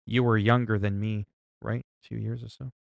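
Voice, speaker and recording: A forty-something livestreamer casually rambles to his audience, cursing and explaining things with everyday examples. He has a lowish voice with vocal fry and little pitch movement at normal speed, and there's no room sound.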